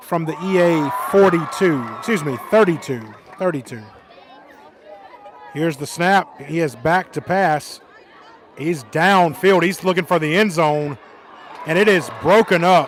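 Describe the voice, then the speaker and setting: A loud man's voice, high in pitch, with ordinary pitch variation, a fairly slow pace, long and frequent pauses, and crowd noise behind him. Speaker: football play-by-play announcer. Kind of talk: live commentary. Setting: stadium near the band.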